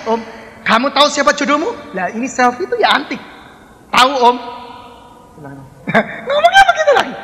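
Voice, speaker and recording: A male pastor, telling a story in a sermon and acting out the dialogue. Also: high-pitched. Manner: animated, acts out dialogue, addresses listeners as Saudara. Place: large worship hall. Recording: hall reverb.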